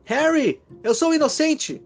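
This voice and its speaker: Horror story role: male reader as frantic young woman, high strained voice, pleading and crying out. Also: expressive, a little slow, vocal fry, soft background music, heavily acted. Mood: desperate pleading. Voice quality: strained, choked. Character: desperate young woman pleading for her life.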